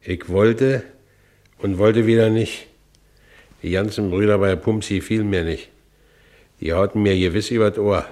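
Franz Bieberkopf is a low-voiced Berlin working man played by an actor, an ex-convict with a gullible, earthy streak. He tells his own story in colloquial Berlin speech, as in a radio drama, always justifying himself. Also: fairly even intonation, measured pace, pauses often, a little mellow, soft background music, natural voice. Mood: uneasy recounting. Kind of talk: radio play narration and dialogue.

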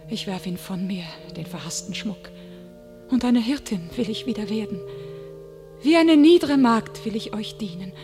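An actress playing a tormented, homesick young shepherdess turned warrior, declaiming solemnly and fervently in a classical radio play. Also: female voice, mid-range voice, close to an everyday voice. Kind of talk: classical German stage verse radio acting. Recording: radio play with loud music behind.

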